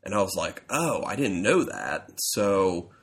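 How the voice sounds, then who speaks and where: Deep-voiced man with a stuffy cold. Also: big pitch swings, measured pace. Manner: rambling, self-correcting storyteller. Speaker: podcast co-host. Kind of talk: casual chat.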